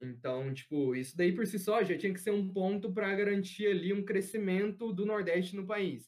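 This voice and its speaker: Pitched high, a man speaks at a moderate pace with hardly any pauses and ordinary pitch variation. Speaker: engineering student. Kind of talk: casual chat.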